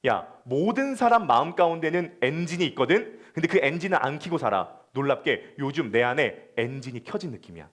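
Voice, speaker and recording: A worried middle-aged man who has failed for years to become a film director talks in a low, confiding murmur, as a preacher acts him out. His voice sits high and the words come quickly. He sounds restless and uneasy. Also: very animated. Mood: excited.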